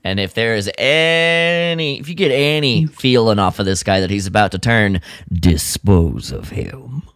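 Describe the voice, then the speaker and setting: A man's voice: lowish voice, lively intonation, unhurried, a bit bright, smooth, no room sound, studio quality. A man co-hosting a podcast, sharing opinions in an informal, rambling way. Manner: rambling, informal, frequent filler "like". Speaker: podcast co-host. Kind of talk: casual chat giving opinions.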